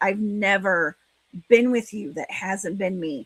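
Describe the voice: Putting on a character voice, a woman speaks in a raspy tone at a medium pitch and a fairly slow pace.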